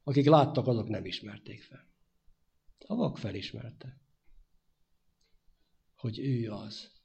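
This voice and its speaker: A man preaching a sermon, his delivery swinging from loud emphatic phrases to hushed endings. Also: medium pitch, vocal fry, slightly rough. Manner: dynamic preaching, rising loud then dropping to hushed.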